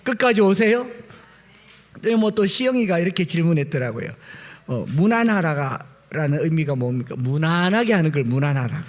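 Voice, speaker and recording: A male pastor preaching a Sunday sermon, swinging between loud exclamations and quiet, low asides. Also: lively intonation, normal speed.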